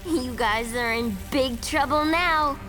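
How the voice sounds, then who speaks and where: A woman's voice: sits high, slow pace, sharp tone, soft background music, full character voice. A woman voicing a cheeky, taunting young girl in a cartoon.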